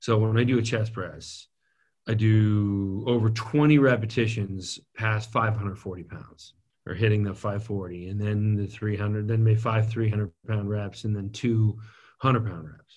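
A man's fairly low, somewhat breathy voice at a very slow pace, fairly even intonation, and big swings in loudness. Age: 40s. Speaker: biomedical engineer and inventor. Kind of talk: interview.

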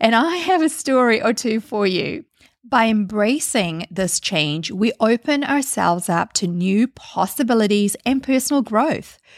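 In an animated, upbeat tone, a woman speaks at a fairly slow pace with a fairly high pitch, very wide pitch swings and very even loudness. The recording is very clean, dry and close, with no echo and a silent background. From New Zealand. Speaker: podcast host. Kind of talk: motivational pep talk with personal stories.

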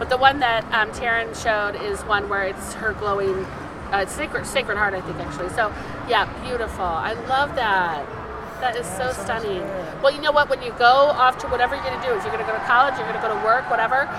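Through audible room echo and noticeable background noise, a woman speaks at a fairly high pitch and a fairly quick pace. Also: ordinary pitch variation. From US (born in Ireland, moved as a child). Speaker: podcast host. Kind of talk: casual chat. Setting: convention floor with crowd.

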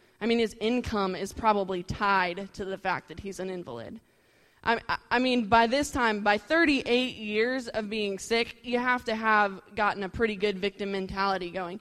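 This woman has an ordinary speaking voice, fairly high in pitch, with an American accent and ordinary pitch variation. She speaks at a moderate pace against a quiet background. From Illinois, US Midwest. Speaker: pastor's child giving a sermon. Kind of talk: sermon. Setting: stage with audience.

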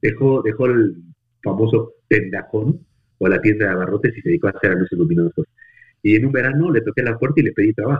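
Lively intonation marks a man's speech, which races at a very fast pace. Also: medium pitch for a man. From Mexico, Tulancingo, Hidalgo. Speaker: media executive. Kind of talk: interview.

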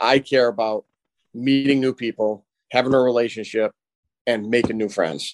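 The speech moves at a moderate pace with long, frequent pauses and fairly even intonation, in a dry, close sound with no echo. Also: man, medium pitch for a man. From northeastern Massachusetts (Bradford, Haverhill). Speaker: flooring business owner. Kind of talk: casual chat.

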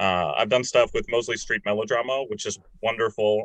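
Using a plain, everyday voice, a man with an American accent speaks at a fairly quick pace in a medium pitch. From Kansas City area, US. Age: 20s. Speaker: theater performer and student. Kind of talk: casual interview chat. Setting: video call, with blankets behind him.

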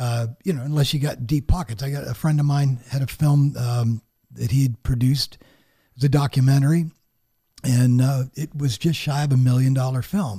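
A man with an American accent speaks at a moderate pace in a dark, mellow tone. His voice is somewhat breathy, his intonation fairly even. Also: medium pitch for a man. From Pennsylvania, US Northeast. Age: 60s. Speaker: actor and film producer. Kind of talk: casual interview chat. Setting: studio.

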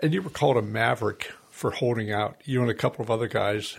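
The voice has vocal fry and an American accent. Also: man. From Pennsylvania, US. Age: 70s. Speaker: interviewer host. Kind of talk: interview conversation.

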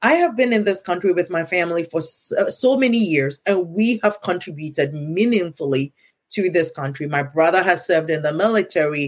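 On a very clean recording with a silent background, a woman with a Ghanaian accent and a fairly low voice speaks at a fairly quick pace with lively intonation. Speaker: immigrant sharing cultural perspective. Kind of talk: casual conversation.

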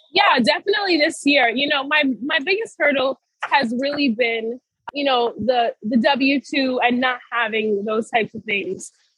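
At a moderate pace, a woman with a New York accent talks in a high pitch with lively intonation. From New York City. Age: 20s. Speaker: realtor and real estate investor. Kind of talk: casual chat.

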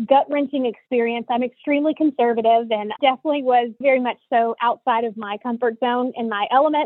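A woman speaks at a fairly quick pace in a high pitch. Her intonation stays fairly even. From Texas (Willis, near Houston). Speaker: accountant and business owner. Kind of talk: casual interview.

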